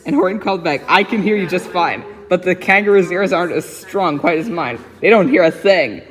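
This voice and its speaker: A man's voice: high voice, a little fast, faint music behind. A man doing a dramatic, giggly read-aloud of a rhyming children's picture book. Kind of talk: dramatic storybook reading with frequent giggling. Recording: echoey reverberant room sound.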